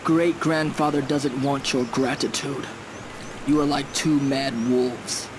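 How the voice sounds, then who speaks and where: A man's voice: medium pitch, flat delivery, takes it slowly, background noise, lightly acted. An actor playing a proud, scornful Native American shaman in a western video game, with formal, solemn phrasing. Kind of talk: dramatic video game acting. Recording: music behind the voice. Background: music.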